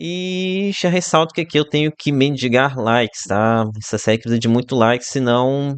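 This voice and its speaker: This is a plain, everyday voice at a moderate pace. The sound is dry and close with no echo, over a quiet background. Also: man. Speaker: finance YouTuber analyzing real estate funds. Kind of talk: investment analysis video.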